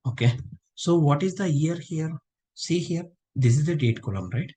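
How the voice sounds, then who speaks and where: A man teaching a live online software class over a video call, unwell and talking low, often checking that students understand. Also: lively intonation, moderate pace, husky. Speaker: software trainer.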